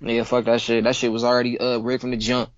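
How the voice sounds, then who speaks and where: A guest rapper in his twenties from Cleveland, Ohio, keeps it loose and slangy in a casual interview chat, often repeating himself. His medium-pitched voice is completely flat and quick, and the audio lacks high frequencies.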